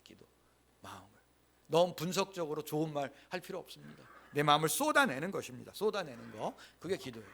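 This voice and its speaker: A man preaching a Sunday sermon in a church, his voice sitting a little high and swinging widely up and down. He stresses key phrases by repeating them and has the congregation say lines back with him. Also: very animated, fast, gravelly, sharp tone, breathy edge. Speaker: pastor. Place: church sanctuary.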